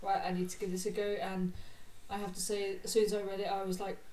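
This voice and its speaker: A woman's voice: mid-range voice, little pitch movement, fast, dark tone. A woman chatting enthusiastically on a podcast. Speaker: podcast guest. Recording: roomy, distant, faint noise.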